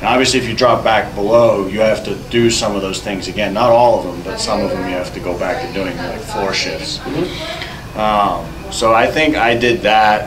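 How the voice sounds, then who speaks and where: Moderate-paced speech from a man with a fairly low pitch and ordinary pitch variation, amid noticeable background noise. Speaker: interviewee. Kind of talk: interview answer. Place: office. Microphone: camera far.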